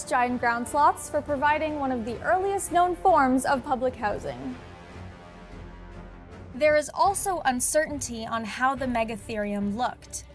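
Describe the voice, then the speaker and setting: A woman with a high-pitched voice narrates a scripted nature documentary. She presents as the host of an animal show, and music plays softly behind her.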